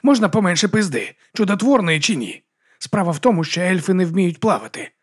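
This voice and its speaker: A man's voice: sits high, quick pace, a little mellow, voice pushed up. Fussy, indignant monk, raised and lecturing, as a man voices him. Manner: earnest and lecturing.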